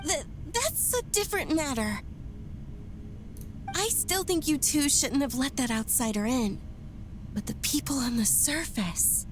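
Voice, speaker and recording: An actress playing an anxious, distrustful younger sister in a video game, speaking in a hesitant, protesting manner. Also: female voice, sits high, lively intonation, measured pace, background noise. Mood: flustered protest. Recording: game audio with prominent music behind. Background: background music.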